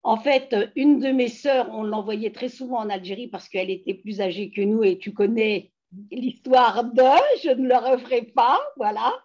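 A woman's voice: a little high, normal speed. A woman in her fifties from France, telling her life story animatedly in a casual video-call interview from home. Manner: animated, emphatic storytelling with many fillers. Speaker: interviewee, feminist activist. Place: home living room. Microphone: laptop webcam mic on video call. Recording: dull lo-fi video call audio.

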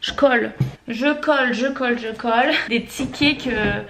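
A woman's voice: a little high, unhurried, fairly bright tone. A woman talking casually to her camera in a candid, rambling way, full of fillers and self-corrections. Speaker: family vlogger. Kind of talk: casual vlog chat to camera. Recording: noisy background ambience.

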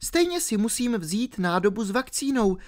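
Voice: medium pitch, sing-song, pitched above the performer's own voice, lightly acted. A reader voicing a ten-year-old girl, bold and determined, speaking eagerly and insistently in a storybook reading.

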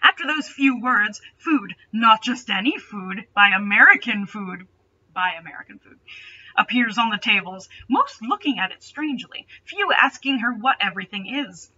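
A woman's voice: a little high, lively intonation, moderate pace, sharp tone, muffled recording, slight background noise. A young adult woman reading a story aloud with dramatic delivery and sarcastic, mocking asides. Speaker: host reading fan fiction aloud. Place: small bedroom, indoors.

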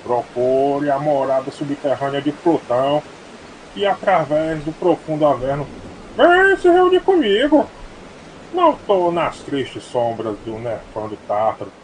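A man's voice: fairly high pitch, big pitch swings, a little slow. A Brazilian man playing the ghost of a loving, solemn old father in an audio drama, declaiming his words. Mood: solemn, tender. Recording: noisy, with ambience behind.

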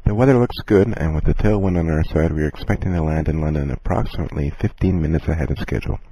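A man playing a calm, courteous airline captain giving a measured, scripted in-flight announcement. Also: very deep voice, breathy edge, exaggerated voice, rough recording. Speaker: airline captain in a listening lesson.

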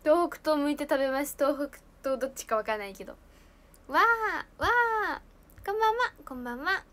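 A bubbly teenage girl with a lilt, chatting on a live stream and reading out viewer comments. Her voice sits very high, and she giggles often between lines. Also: animated, moderate pace, pushed and bright. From Japan. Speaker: idol trainee streamer. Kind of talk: casual live stream chat.

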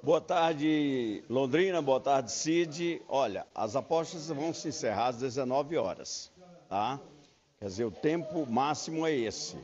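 A man's voice: medium pitch, expressive, unhurried, a little mellow. Older man, folksy lottery-shop interview. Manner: folksy, upbeat salesman talk. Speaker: lottery federation president. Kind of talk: live TV interview. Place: busy lottery shop indoors. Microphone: handheld reporter mic. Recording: muffled broadcast field audio.

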